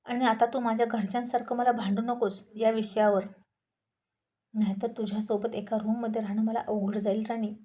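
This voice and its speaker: A woman's voice: a little high, level tone, normal speed, dark tone, close to an everyday voice. A woman voicing a handsome, gym-going young man who teases and lectures his wife in a story reading.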